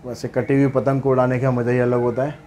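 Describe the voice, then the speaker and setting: A man's voice: medium pitch, little pitch movement, mellow, slight background noise. A man teaching maths, explaining problems step by step in a chatty way, asking and answering his own questions. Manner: reads English problem text slowly and deliberately.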